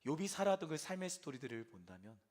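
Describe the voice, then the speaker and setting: A young adult man preaching a sermon to a church service, swinging from loud pleading to hushed, almost whispered lines. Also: on the high side, sing-song, fast talker. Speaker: pastor.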